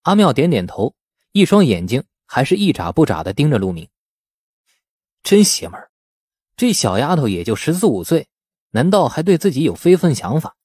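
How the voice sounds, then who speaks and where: A man reading a novel as an audiobook narrator, in an expressive storytelling manner. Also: fairly high pitch, normal speed, slightly rough, no room sound, clean studio sound. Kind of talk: scripted dramatic novel narration.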